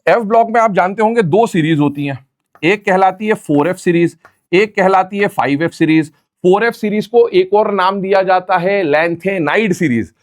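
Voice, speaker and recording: A man teaching chemistry in a classroom-style lecture, repeating memory tricks slowly and calling his students "beta". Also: high-pitched.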